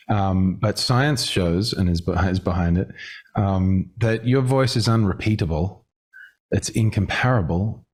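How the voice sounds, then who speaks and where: A man with a fairly low voice explains things as a coach would in conversation. He is reflective and halting, offering each idea as a gentle invitation. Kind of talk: conversational teaching.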